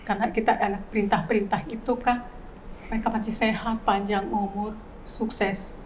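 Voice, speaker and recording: A woman's voice: mid-range voice, level tone, moderate pace, slight background noise, poor audio. A woman in her fifties, a grieving mother, giving an earnest faith testimony in an interview and repeating key phrases for emphasis. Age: 50s. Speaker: bereaved mother, guest.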